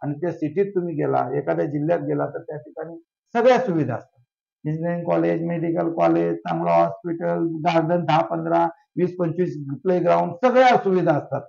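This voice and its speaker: A man's voice: on the high side, animated, brisk, gravelly, mellow. A man, a social worker, speaking in an impassioned interview, asking rhetorical questions and piling up long lists. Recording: dull lo-fi sound.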